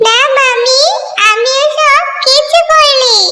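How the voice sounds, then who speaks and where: A woman's voice: very high voice, takes it slowly, pushed and bright, full character voice. A woman voicing a meek, sorrowful young orphan fox girl in a children's cartoon. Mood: meek, pleading. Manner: pleading, earnest.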